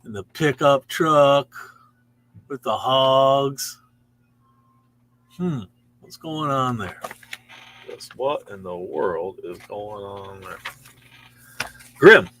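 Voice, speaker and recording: A man's voice: medium pitch, extremely slow, long pauses, a bit bright, slight background noise. A man in his sixties hosting a casual show-and-tell of new comics in a store, chatty and easily impressed. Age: 60s. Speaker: comic shop host.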